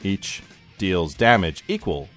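A man with a low voice hosts a casual card-game podcast, reading each card aloud. His pitch swings widely, his delivery is animated and halting, and he fills gaps with "um" and "uh". A faint guitar track plays behind him. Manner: animated, halting with frequent fillers. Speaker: podcast host.

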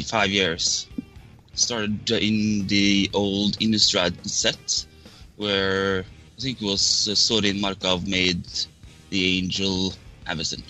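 A man's voice: fairly low pitch, sharp tone, low-quality recording. A man from Norway with a Norwegian accent, a shy, hesitant podcast guest. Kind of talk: casual chat.

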